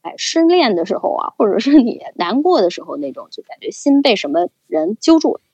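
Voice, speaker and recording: Young woman, lively storyteller, husky edge, slightly dull dry recording. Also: mid-range voice, brisk, no echo. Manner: animated, chatty storytelling with fillers. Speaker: podcast co-host. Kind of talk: casual storytelling.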